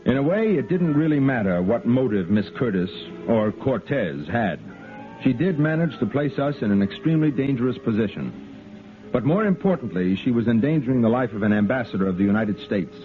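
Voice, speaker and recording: A firm, commanding cavalry lieutenant, played by a man narrating a 1950s radio adventure. His pitch moves a lot, in a lively way. The sound is thin and phone-like. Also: a little fast, soft background music, close to an everyday voice. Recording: tinny 1950s radio broadcast.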